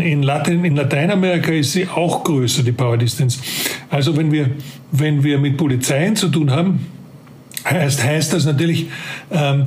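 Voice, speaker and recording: A little hiss or hum accompanies this fairly high, darkish-toned voice of a man in his fifties. He's a former police officer with a Carinthian Austrian German accent, talking reflectively as a casual interview guest and often repeating words as he gropes for them.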